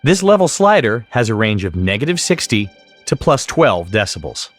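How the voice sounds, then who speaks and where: Male tutorial instructor, lowish register with animated intonation, measured scripted explanations. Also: soft background music. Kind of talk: scripted software tutorial narration.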